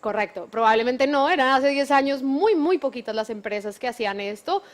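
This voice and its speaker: A woman's voice: sits high, expressive, brisk. A Colombian woman in her thirties with a Bogotá accent, explaining her company fluently as a panel guest. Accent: Bogotá Colombian Spanish. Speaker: panelist, tech company manager. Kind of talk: panel conversation.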